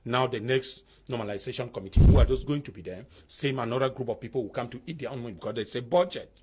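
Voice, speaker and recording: A man's voice: mid-range voice, quick pace, a little mellow, slight background noise. A man, a panel guest arguing a point in a heated debate with pressing rhetorical questions.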